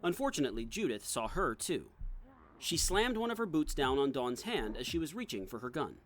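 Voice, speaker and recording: A man's voice: mid-range voice, very animated, fairly quick, slight background noise. A man reading scripted, dramatic narration as the narrator of an audio drama.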